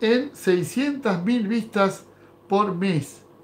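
With an Argentine accent, a man speaks in a high pitch with ordinary pitch variation. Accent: Rioplatense Argentine Spanish. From Argentina. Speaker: fishing YouTuber and former radio host; fishing YouTuber, former radio host. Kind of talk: live stream chat. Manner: casual, conversational. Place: home room. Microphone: webcam.

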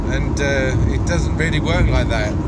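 Over loud background noise, a man speaks at a moderate pace in a dry sound with no echo. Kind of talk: casual vlog chat. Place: car. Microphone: phone near.

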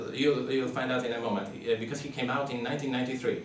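Music plays in the background as a man speaks with a Polish accent. Audible room echo surrounds his voice. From Poland. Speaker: literature professor. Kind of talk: lecture. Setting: lecture hall with audience. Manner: halting. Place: classroom. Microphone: camera far.

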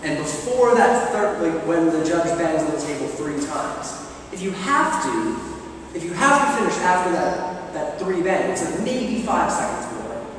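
Strong room echo and light background noise surround a man who speaks at a high pitch with very wide pitch swings and hardly any pauses. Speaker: debate coach. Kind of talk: lecture. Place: classroom. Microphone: camera far.

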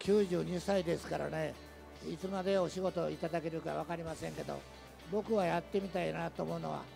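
A man talks at a fairly quick pace. Clear music can be heard behind his voice. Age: 80s+. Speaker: actor. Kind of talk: event talk on stage. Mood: cheerful, joking. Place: stage. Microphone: handheld.

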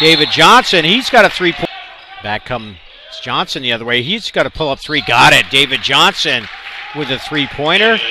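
A man speaks in an energetic tone at a moderate pace, his pitch swinging very widely, in dry sound with no echo and noticeable background noise. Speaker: basketball play-by-play announcer. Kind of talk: live basketball commentary over game highlights. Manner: clipped, energetic, rising on big shots. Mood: celebratory at game end. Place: stadium. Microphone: headset.

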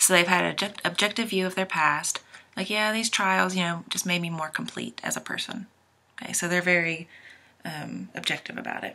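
Fairly low pitch from a woman at a moderate pace, with fairly even intonation. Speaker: tarot reader. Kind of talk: tarot reading talk to viewers. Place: home room. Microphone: webcam.

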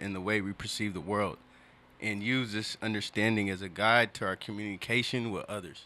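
A man talks at a fairly quick pace in a bright, sharp tone, his pitch fairly low and his intonation fairly even. The sound is dry, with no echo. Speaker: podcast co-host and DJ. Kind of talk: casual chat. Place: studio. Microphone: studio mic.

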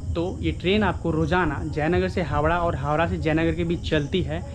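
A man speaks at a moderate pace while noticeable background noise carries on behind him. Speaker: travel vlogger. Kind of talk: casual vlog chat. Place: station. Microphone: phone near.

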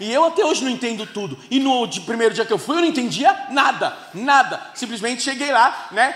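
A man with a Brazilian accent, extremely high pitch and very wide pitch swings, moderate pace, audible room echo. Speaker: comedian; stand-up comedian. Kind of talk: stand-up. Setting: stage with audience. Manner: halting. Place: stage. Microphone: handheld.

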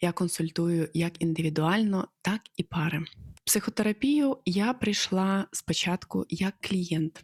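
In a dry, close sound with no echo, a woman speaks very slowly at a fairly low pitch, somewhat breathy, with ordinary pitch variation and very even loudness. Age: 30s. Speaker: clinical psychologist. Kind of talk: self-presentation video.

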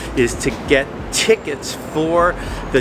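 There is music in the background as a man speaks. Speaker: local resident tour guide. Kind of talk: casual tour explanation. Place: street. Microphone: phone near.

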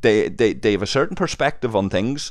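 A man speaks with an Irish accent. His pitch swings very widely. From Ireland. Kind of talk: interview answer.

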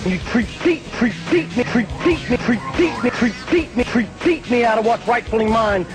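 Clear music plays in the background as a man with a high pitch talks at a moderate pace with lively intonation. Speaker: professional wrestler. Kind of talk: wrestling promo. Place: studio. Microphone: handheld.

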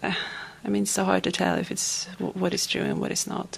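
A woman with a Swedish accent, speaking at a moderate pace. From northern Sweden, Robertsfors; Sweden. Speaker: singer-songwriter; guest. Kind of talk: radio interview. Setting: radio studio.

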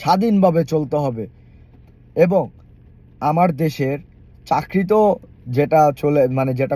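This man's voice has a dark, mellow tone. The pitch rises and falls in an ordinary way. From Bangladesh, Narayanganj. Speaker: vlogger. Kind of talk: political monologue to camera. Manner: impassioned.

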